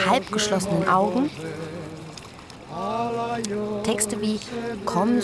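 An actress playing a wry, playful young East Berlin woman in a radio play, with a deadpan, clipped, diary-like delivery. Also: medium pitch, close to an everyday voice. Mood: wry, observing. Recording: music behind the voice.

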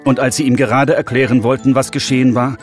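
A man reads a Christmas fairy tale for children in a calm, mid-pitched voice. A little music sits softly underneath his narration. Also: fast talker. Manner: warm storytelling.

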